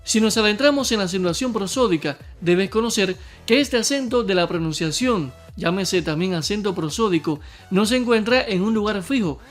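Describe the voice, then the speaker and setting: A man with a high, light voice gives a scripted spelling lesson. He talks straight to the viewer, clearly and deliberately, and slows down to spell out each example word. Soft music plays faintly underneath. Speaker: teacher.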